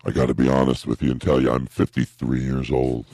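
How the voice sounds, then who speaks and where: Man putting on a gravelly, flat, very low-voiced bitchy older female flight attendant, lustful and crude, through a voice effect. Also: fairly quick, no room sound, studio quality, heavily acted. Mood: sultry. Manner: sultry, crude, brash. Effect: voice effect to sound like a woman. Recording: noisy podcast recording.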